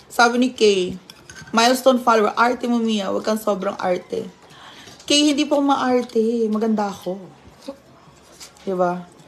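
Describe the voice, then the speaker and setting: A fairly high-pitched woman at a moderate pace, animated in tone, with ordinary pitch variation, long, frequent pauses and noticeable background noise. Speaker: vlogger. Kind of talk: livestream chat reading viewer comments.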